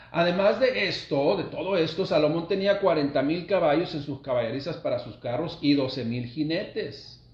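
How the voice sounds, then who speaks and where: A man's voice: fairly high pitch, darkish tone. Male pastor, raised voice, reads verses and then explains them; dull, roomy recording from a house of prayer. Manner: reads scripture aloud, then explains it with asides to listeners. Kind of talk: expository sermon. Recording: echoey room, dull lo-fi sound.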